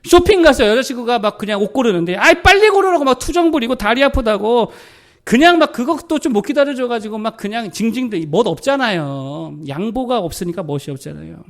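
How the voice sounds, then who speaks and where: A middle-aged man preaches a sermon in a church sanctuary. His voice sits high and leaps up and down in pitch as he fires rhetorical questions at the congregation. He delivers it all in lively, animated swings. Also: a little fast, vocal fry. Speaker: pastor.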